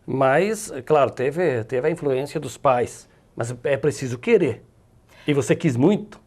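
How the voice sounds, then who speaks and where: A man's voice: mid-range voice, lively intonation, measured pace, a little mellow. A middle-aged Brazilian man hosting a local TV sports interview, opening with formal broadcaster delivery and asking folksy follow-up questions. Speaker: sports show host. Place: TV studio.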